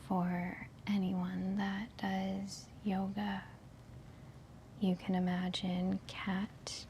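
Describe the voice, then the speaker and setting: Woman, meditation guide. Hushed whisper, very even delivery, unhurried and soothing, faint ambient noise behind. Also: mid-range voice, rough recording. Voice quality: soft, breathy whisper. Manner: gentle, unhurried, soothing instruction with long pauses.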